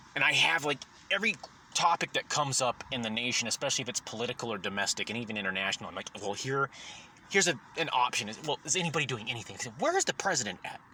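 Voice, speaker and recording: Over noticeable background noise but in a dry, close sound with no echo, a man at medium pitch talks very fast with lively intonation. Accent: American. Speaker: political commentator vlogger. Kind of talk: casual monologue. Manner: halting, many fillers; stutter over a word.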